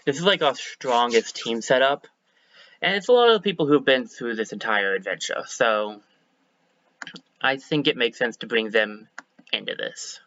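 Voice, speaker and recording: A slightly hoarse man streaming a game, chatting casually and thinking aloud as he corrects himself. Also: mid-range voice, lively intonation, normal speed, fairly bright tone, no echo, lo-fi sound. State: a bit hoarse. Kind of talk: casual let's-play commentary.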